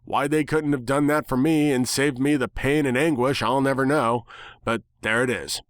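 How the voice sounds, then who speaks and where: A man's voice: mid-range voice, fairly even intonation, normal speed, no room sound, clean studio sound. A man giving a dramatic scripted reading of a story as its narrator.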